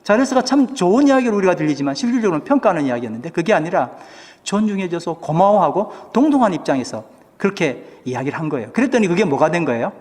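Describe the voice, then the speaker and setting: Lively preaching man in a reverberant church. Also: high-pitched, fast. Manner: asks the congregation questions, acts out quoted speech. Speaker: pastor. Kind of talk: sermon. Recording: church hall with long reverb.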